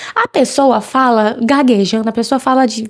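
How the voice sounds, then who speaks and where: Her high-pitched voice moves with ordinary pitch variation as the woman speaks. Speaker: public speaking coach. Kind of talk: educational vlog. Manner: fast.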